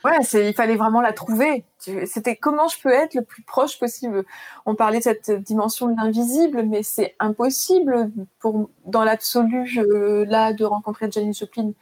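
A woman's voice: on the high side, moderate pace, darkish tone. A woman in her thirties, an author being interviewed, talking in a thoughtful, searching way with frequent restarts, and reading a passage from her book. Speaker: author guest.

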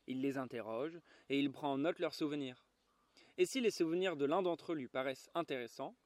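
A man voicing an old male geographer, a self-important scholar, in a measured way, in a dry recording. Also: fairly high pitch, dry recording, natural voice.

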